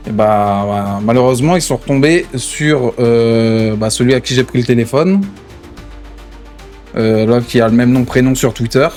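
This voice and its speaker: A man's voice: mid-range voice, normal speed, a little mellow, soft background music. A man in improvised online role-play, questioning others like an interrogator, often stumbling and repeating himself. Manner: hesitant, repetitive, pressing questioner.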